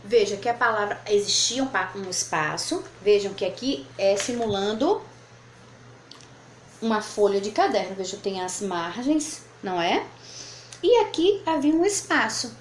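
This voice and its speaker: A woman's voice: medium pitch, lively intonation, unhurried. A woman teaching a lesson at a board, patiently spelling out words syllable by syllable. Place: room with whiteboard. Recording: echoey room, faint background noise.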